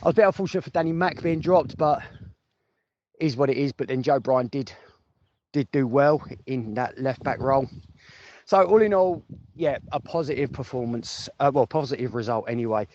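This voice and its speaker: Speaking at a moderate pace in a mid-range, slightly mellow voice, this man offers loose football fan reactions, musing aloud and repeating phrases to drive points home. The recording is dry: an informal phone voice message for a fan podcast, muffled and lo-fi, with background noise and clicks.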